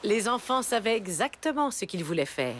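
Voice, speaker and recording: A woman narrating a scripted children's cartoon story in an expressive storytelling manner. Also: medium pitch, moderate pace, slight background noise. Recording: music behind the voice.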